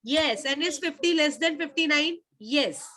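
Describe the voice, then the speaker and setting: A woman's voice: high-pitched, measured pace, pushed and bright. A woman with a South Asian accent teaching an interactive maths lesson online, repeating her questions insistently to pupils.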